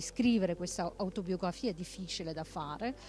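In a French accent, a woman with a fairly low pitch speaks at a moderate pace, somewhat breathy, with a dry, echo-free sound and light background noise. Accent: French-speaker's accent in Italian. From Belgium, Flemish region, Sicilian parents. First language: French (speaking Italian). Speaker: writer and film director; interviewee. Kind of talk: interview. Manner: hesitant, many fillers. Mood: serious, personal, painful story. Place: hall. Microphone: handheld.

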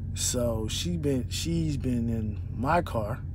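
A man's fairly low-pitched voice, dry with no echo, over noticeable background noise. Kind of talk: casual vlog chat. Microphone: phone near.

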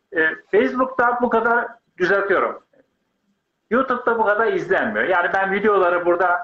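At a moderate pace, a man talks at a high pitch for a man with ordinary pitch variation and very even loudness, while audible room echo fills the recording. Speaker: online group host. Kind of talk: interview chat. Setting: live stream. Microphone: video call.

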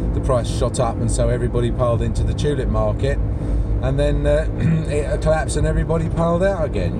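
Someone talks at a fairly quick pace over loud background noise. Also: man. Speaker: vlogger. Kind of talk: casual vlog chat. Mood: opinionated, lightly amused. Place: car. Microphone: phone near.

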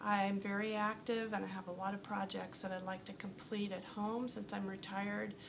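Noticeable background noise accompanies a woman speaking at a moderate pace. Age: 70s. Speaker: retired nurse practitioner giving testimonial. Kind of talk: testimonial. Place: office. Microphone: phone near.

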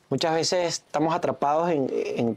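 Speaking with a Venezuelan accent, a man has a dark, mellow tone. He keeps a moderate pace over a quiet background. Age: 20s. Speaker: entrepreneur; podcast guest. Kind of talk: interview. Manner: energetic. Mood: calm, confident. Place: studio.

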